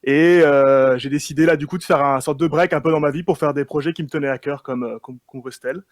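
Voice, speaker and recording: Young French man, guest, slightly high, dry mic, easygoing. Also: quick pace, no room sound. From France. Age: young adult. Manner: relaxed, hesitant with fillers.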